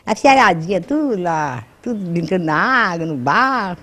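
A woman's voice: lowish voice, sing-song, normal speed, a bit bright, a little hiss or hum. An 88-year-old Brazilian woman reminiscing casually in an interview at home, homely and colloquial, often adding tag questions, on a handheld microphone. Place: at home, by a house wall.

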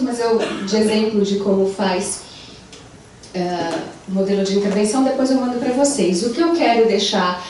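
A young adult woman, a psychologist with a Brazilian Portuguese accent, gives an animated conference talk into a handheld mic, gesturing as she walks the stage. Her pitch is fairly high. The large wood-panelled lecture room echoes, and a distant camera picks her up with slight background noise.

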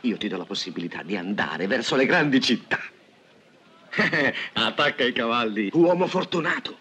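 An actor playing a sly, wheedling drifter in a dubbed 1960s western. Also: male voice, mid-range voice, expressive, normal speed, bright, forceful tone, slightly rough. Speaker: wandering drifter and schemer. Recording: film soundtrack with music behind.

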